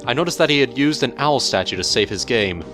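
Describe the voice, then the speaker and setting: A man narrating a horror story in a measured, theatrical storytelling manner over music. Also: medium pitch, expressive. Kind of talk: dramatic horror story reading. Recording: music bed under the voice.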